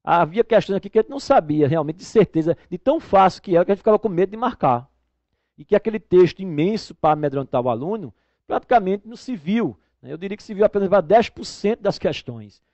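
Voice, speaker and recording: A male teacher talks through exam answers in a somewhat high voice. He spells out word parts slowly and keeps checking in with "right?". The recording is dry, close and slightly dull. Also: animated, darkish tone, no room sound. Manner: didactic, checks in with tag questions like "né?" and "correto?". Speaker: Portuguese teacher. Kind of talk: exam-prep video lesson.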